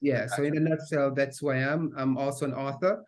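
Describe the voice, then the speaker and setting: A man's voice: mid-range voice, steady tone, brisk. A middle-aged man from Jamaica with a Jamaican accent, a guest talking through his work with hesitant fillers and restarts. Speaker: conference director, guest. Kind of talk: interview conversation.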